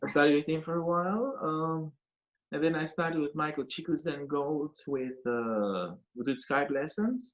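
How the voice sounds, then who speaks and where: Speaking in an Albanian accent, a man with a fairly high pitch talks at a fairly slow pace with lively intonation. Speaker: professional flutist and shakuhachi player. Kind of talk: interview.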